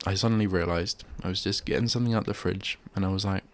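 At a studio microphone, a male radio host with a head cold chats on his own, casual, rambling and self-mocking. His deep voice is bunged-up and nasal, fairly even in intonation, and quick in pace.

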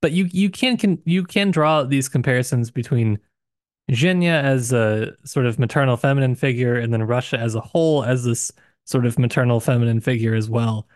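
Casting: man, casual podcast co-host, thinks aloud with lots of restarts, medium pitch, dry close recording. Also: normal speed, dry recording. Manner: hesitant, many restarts and hedges, animated pitch jumps. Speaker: podcast co-host discussing a novel. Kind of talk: casual book discussion.

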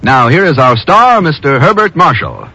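A man's voice: a little high, huge pitch swings, normal speed. A man with an American accent doing formal, polished, scripted announcing in the style of 1950s radio. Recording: muffled vintage radio broadcast with music.

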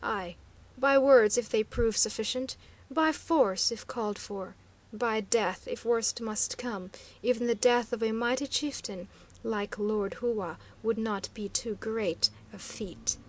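A woman voicing a proud male master of guards who speaks in a cold, stern, measured way. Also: fairly high pitch.

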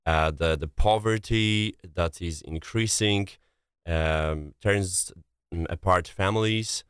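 A man from Poland with a thick Polish accent, answering as an interview guest and often pausing to search for words. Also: deep voice, a bit bright, smooth, dry recording, studio quality. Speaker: interview guest, relief coordinator.

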